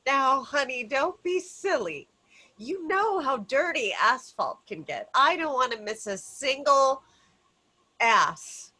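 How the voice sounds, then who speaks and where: A woman acting a cheery, flustered suburban mother, sweet and excitable, in a comedy table read. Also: sits high, takes it slowly, husky, exaggerated voice. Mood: fussy, excited. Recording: remote virtual table read call.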